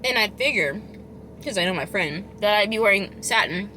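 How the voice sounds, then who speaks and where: A woman chatting casually as a food vlogger, chewing while she talks, rambling and expressive with emphatic delivery. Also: mid-range voice, normal speed, slight background noise. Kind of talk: casual chatty eating vlog.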